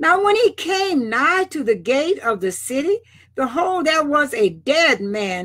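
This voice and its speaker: Her voice raised and projected, a woman speaks at a high pitch with very wide pitch swings over a quiet background. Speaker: scripture reader. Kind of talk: scripted scripture reading aloud, audiobook style. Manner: slow, measured, solemn and reverent; even, formal cadence with archaic King James wording. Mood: calm, warm. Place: home room. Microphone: webcam.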